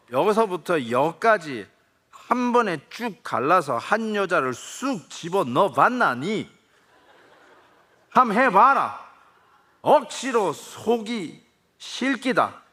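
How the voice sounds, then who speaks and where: A man's voice: sits high, pitched above the performer's own voice, heavily acted. A pastor acting as an impassioned Gyeongsang stepfather. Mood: tender pleading. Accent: Gyeongsang dialect. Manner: slow, pleading, rising to shouts. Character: impassioned middle-aged stepfather pledging love.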